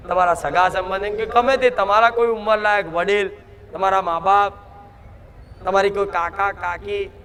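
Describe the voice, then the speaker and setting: A woman's voice: medium pitch, fairly bright tone. A woman preacher speaking as the Mother goddess, giving a devotional sermon in an emphatic way, full of rhetorical questions.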